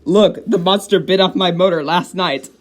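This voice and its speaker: A man playing a grumpy, high-pitched monster hunter. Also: normal speed, natural voice. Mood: insistent. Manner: argumentative, emphatic. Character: grumpy male storybook monster hunter, insistent and easily annoyed. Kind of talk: playful dramatic reading of a children's book.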